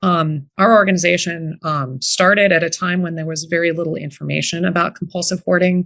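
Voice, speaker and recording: A woman speaks at a moderate pace. Her fairly low voice keeps a fairly even intonation. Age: 40s. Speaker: nonprofit cofounder and speaker. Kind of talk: interview. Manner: halting, many fillers.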